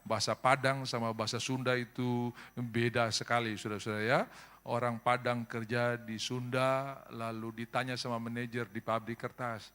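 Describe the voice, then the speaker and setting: A man's voice: little pitch movement, normal speed, fairly bright tone. A middle-aged male pastor preaching a sermon, telling stories with humor and acting out voices, often calling out to the congregation. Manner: humorous storytelling, acts out voices with big pitch jumps; addresses congregation as brothers and sisters.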